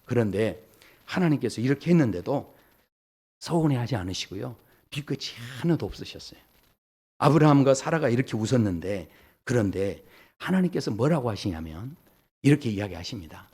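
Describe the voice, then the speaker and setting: A man's voice: medium pitch, sing-song, a little fast, darkish tone, slightly rough. A man preaching a Sunday sermon as pastor, joking with the congregation and acting out the people he quotes. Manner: playful, jokes with the congregation, acts out quoted voices. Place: church sanctuary.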